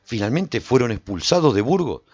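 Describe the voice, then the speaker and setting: A proud, solitary warrior recounting his adventures as a radio serial. His delivery is theatrical and very lively in pitch, rising and falling with the tale. The sound is dry and close, with a slightly muffled top end. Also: moderate pace, slightly rough, no echo, faint music behind. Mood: proud storytelling. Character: lone warrior man recounting his post-apocalyptic adventures, proud and vivid. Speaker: narrator and lead actor of a radio serial. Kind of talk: dramatic first-person radio storytelling.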